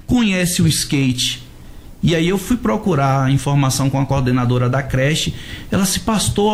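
A man with a Bahian Brazilian accent, a pastor speaking as a guest in a conversational radio interview. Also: high-pitched. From Salvador, Bahia, Brazil. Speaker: guest, pastor and skate ministry leader.

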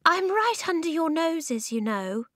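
A high, reedy and creaky little man made of stone, played by a woman narrator, tart and pompous. He snaps and complains in a squeaky storybook voice, pitched well up. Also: big pitch swings, measured pace, a bit bright, no echo, clean studio sound, exaggerated voice. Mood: cross. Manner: tart, snapping, haughty complaining. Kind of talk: children's audiobook character voice.

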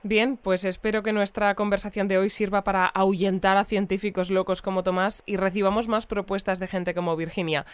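An actress playing a composed female radio news presenter in an audio drama, speaking in a measured, polite, articulate way. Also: mid-range voice, clear, resonant tone, dry recording, natural voice.

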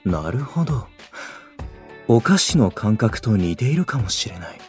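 A bookish idol dude, super formal old-timey way of talking, anime audio drama, faint music. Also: male voice, fairly low pitch, big pitch swings, measured pace. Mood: refined, instructive. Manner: formal, old-fashioned, scholarly wording. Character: young man idol who speaks archaic, literary, refined Japanese. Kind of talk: anime-style voice drama acting.

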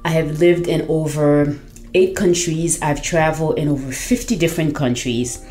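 A woman's voice: sits low, steady tone, normal speed, darkish tone, slight background noise. A woman from Haiti who hosts a podcast, telling her story in an earnest, reflective way with frequent "you know"s. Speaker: podcast host. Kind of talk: personal testimonial.

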